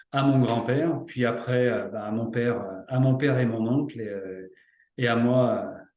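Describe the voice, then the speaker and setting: A man's medium-pitched, dark, mellow voice amid audible room echo. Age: 50s. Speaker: cabinetmaker, business owner. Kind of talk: interview. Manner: hesitant, many fillers.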